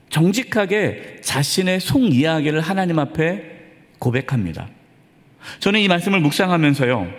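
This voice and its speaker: A man who is a pastor, preaching a sermon emphatically, with dramatic pauses, in a church sanctuary. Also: a little high, in a large hall.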